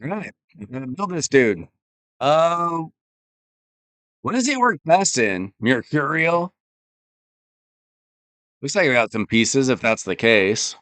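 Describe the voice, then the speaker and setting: Slow-talking man streaming a game. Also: medium pitch, no echo. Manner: relaxed, thinking aloud while playing. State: losing his voice. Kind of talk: casual live-stream commentary.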